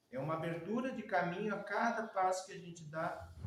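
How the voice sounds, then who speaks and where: A man with lively intonation holds a moderate pace while noticeable background noise plays beneath him. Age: 60s. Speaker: spiritist study group speaker. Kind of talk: spiritual talk. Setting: spiritist centre.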